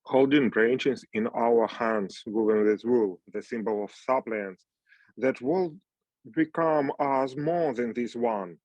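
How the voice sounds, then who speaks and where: An actor playing a grave suppliant seeking protection in the chorus of a Greek tragedy, over a video call. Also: male voice, medium pitch, slow, a little mellow. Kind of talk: dramatic reading of Greek tragedy. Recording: slightly dull video-call audio.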